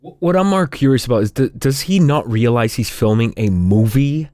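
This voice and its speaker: A man with a medium-pitched voice chats casually on a podcast. The sound is dry and close. He questions things and explains them in an informal, conversational way. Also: lively intonation, moderate pace, dark tone, no room sound. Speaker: podcast participant.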